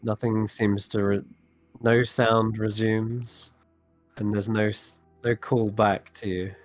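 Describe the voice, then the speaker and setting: A man's voice: lowish voice, little pitch movement, slow pace, no room sound, soft background music. A man narrating a tabletop role-playing game as game master, describing scenes and asking players what they do.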